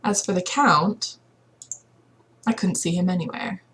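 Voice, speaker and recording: Woman reading as a low-voiced young game heroine. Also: measured pace, a bit bright, a little hiss or hum. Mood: observant. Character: young woman heroine narrating her romance game story. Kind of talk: dramatic read-aloud of a visual novel.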